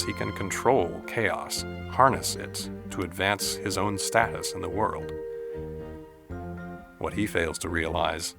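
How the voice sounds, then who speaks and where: Philosophical letter writer, low pitch, creaky voice, formal, deliberate, solemn audio drama monologue. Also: male voice. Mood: warning, reflective.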